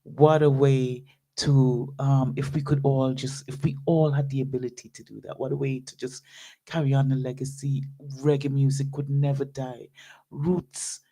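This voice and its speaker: A man's voice: medium pitch, level tone, normal speed, dark tone. A man hosting a radio show, signing off in a laid-back patter with speech and plenty of fillers. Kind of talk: casual radio sign-off.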